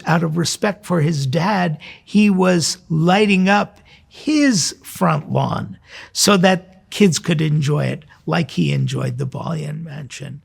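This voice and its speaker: Man, 60s, priest-host. Heavy vocal fry, somewhat high-set pitch, conversational sermon style with earnest storytelling, over music. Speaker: priest and host of a religious program.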